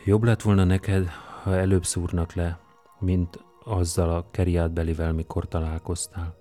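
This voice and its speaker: A man's voice: low voice, level tone, warm tone, soft background music, lightly acted. A man reading an audiobook and voicing a fierce, weary Roman governor who is scornful and commanding. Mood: muttering. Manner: scornful and commanding, erupts into roaring rage.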